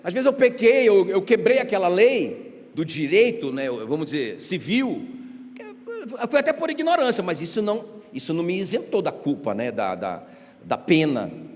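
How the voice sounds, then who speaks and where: A male pastor preaching a sermon in an animated, conversational way, full of rhetorical questions and joking asides, in a church sanctuary. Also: high voice, moderate pace, slight background noise. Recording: reverberant church hall.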